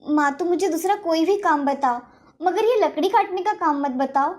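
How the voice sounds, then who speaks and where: A meek, tearful young cartoon girl speaks in a high, soft voice, as a woman acts her out. She sounds gentle and pleading, eager to obey. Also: normal speed. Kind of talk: cartoon voice acting.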